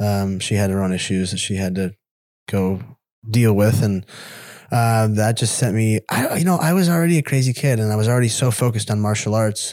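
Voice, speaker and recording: Ordinary in pitch variation, a man speaks at a fairly low pitch with a Southern California accent. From Orange County, California. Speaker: former professional fighter. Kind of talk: casual chat. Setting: studio.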